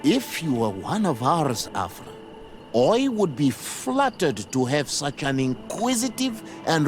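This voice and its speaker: An actor playing a grave, dignified tribal spiritual mentor in a video game, speaking in a solemn, measured, formal way. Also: male voice, mid-range voice. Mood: stern, indulgent. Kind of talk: video game dialogue acting. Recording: music behind the voice.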